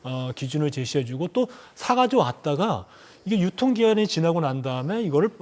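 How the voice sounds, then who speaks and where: A man's voice: fairly high pitch, very animated, fairly quick. A man speaking as a guest on a current affairs panel, explaining his views in a conversational way. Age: 50s or younger. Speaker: panel guest, former lawmaker. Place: broadcast studio.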